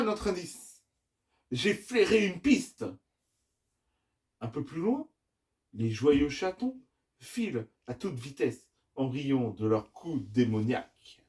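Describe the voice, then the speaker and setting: A young father reading a bedtime storybook aloud at home, slow and expressive. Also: on the high side, recorded from a distance. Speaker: father reading to his child. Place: family home.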